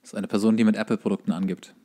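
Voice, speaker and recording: Low-pitched wry man chatting. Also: level tone, rapid-fire, warm tone. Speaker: podcast co-host. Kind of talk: casual comedic chat.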